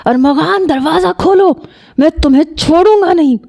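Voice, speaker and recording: Woman playing angry jealous young man, shouting. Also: mid-range voice, natural voice. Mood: furious. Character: young man, jealous and hot-tempered cousin.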